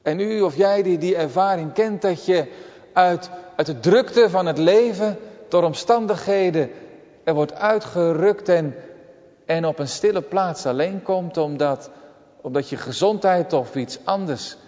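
A man preaching a sermon, his voice set a little high for a man and rising and falling with earnest force. The sound is dull and muffled, with a long church reverb trailing each phrase. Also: a little slow, darkish tone. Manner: earnest, with dramatic swells and drops to near silence. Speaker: pastor.

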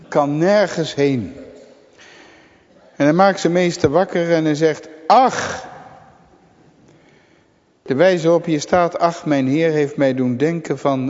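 A man preaching a sermon, slow and emphatic, with dramatic pauses and sudden exclamations. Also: mid-range voice, darkish tone. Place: church. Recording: dull lo-fi sound in a reverberant church.

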